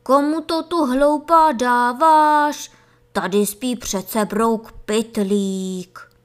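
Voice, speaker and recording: A woman voicing a cross, bossy female bee in a children's storybook, scolding loudly in a sharp, indignant tone. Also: fairly high pitch, steady tone, natural voice.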